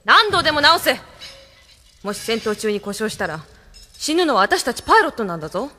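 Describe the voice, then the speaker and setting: A woman's voice: fairly high pitch, big pitch swings, a little fast, sharp tone, long reverb tail, a little hiss or hum. An actress playing a tough, teasing young female pilot who talks in a brash, mocking way in an anime radio drama. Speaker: pilot, squad leader.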